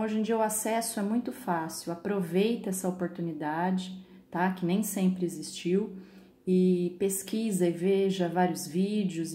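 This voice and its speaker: Her mid-range voice is warm as she patiently teaches English online from her computer at home, her Brazilian Portuguese accent clear. She often checks on students with "tá?" and "tá bom?"; the room echoes and faint noise sits behind her.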